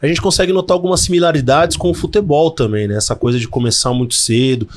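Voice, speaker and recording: A man's voice: fairly high pitch, fast. A man hosting a podcast interview, talking in a conversational way. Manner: conversational, tags lines with "né". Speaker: podcast host. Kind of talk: interview questions.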